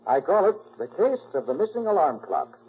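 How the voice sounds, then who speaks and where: A man's voice: on the high side, big pitch swings, a little fast, husky, heavily acted. An actor playing a confident, methodical male detective in a 1940s radio crime drama, explaining things with firm assurance. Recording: dull, faintly noisy 1940s radio recording.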